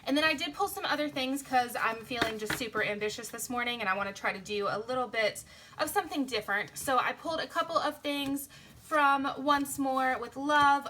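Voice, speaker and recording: A woman's voice: high-pitched, sharp tone, slight background noise. A young woman chatting casually through her planner setup at home, tired early in the morning, with a slightly strained voice and a rambling way of talking. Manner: chatty, rambling, self-interrupting. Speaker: planner vlogger and sticker shop owner. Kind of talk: casual plan-with-me chat. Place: home craft desk, indoors. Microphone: phone camera overhead. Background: printers running.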